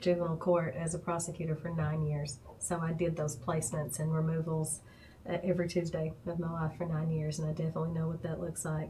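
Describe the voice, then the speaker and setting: The voice has a dark, mellow tone, somewhat breathy and monotone, with flat intonation. It moves at a very fast pace over light background noise. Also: woman, fairly low pitch for a woman. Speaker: interview guest. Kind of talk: interview answer. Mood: serious, earnest. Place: studio.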